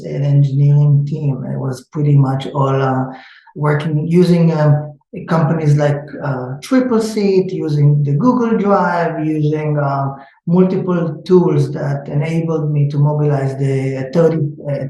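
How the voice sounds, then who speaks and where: A man's voice: a little high, mellow. A man from Israel with an Israeli accent, a startup founder answering interview questions in a hesitant way with many filler sounds. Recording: echoey room.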